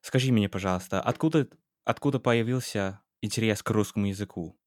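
Co-host: man, English accent, native English speaker, lowish clear voice, dry close sound, encouraging but halting chat. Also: no echo. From England. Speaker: podcast co-host. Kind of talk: casual interview chat.

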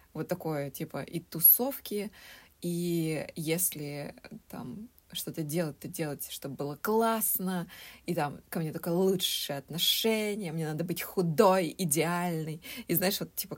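Хрипловатая молодая женщина, болтливая подкастерша. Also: female voice, fairly low pitch. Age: 20s. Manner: chatty, animated retelling with acted quotes. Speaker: podcast co-host. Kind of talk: casual podcast chat.

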